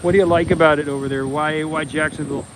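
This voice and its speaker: A man talks with his viewers in a loose, rambling way, his voice a little on the high side. He records outdoors on a phone's built-in mic. Heavy wind noise buffets the sound throughout. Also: fairly even intonation, fast talker. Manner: rambling, reads viewer comments aloud. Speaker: livestream host. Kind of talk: casual livestream chat with viewers. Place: outdoors near a launch site. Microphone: iPhone, built-in mic. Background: wind and vehicle noise.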